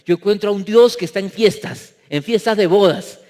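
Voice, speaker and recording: A man's voice: high-pitched, brisk, a little mellow. A man preaching a sermon as pastor, joking with the congregation and putting rhetorical questions to them. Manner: humorous, mimics people in funny voices. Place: church sanctuary. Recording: long reverb of a church hall.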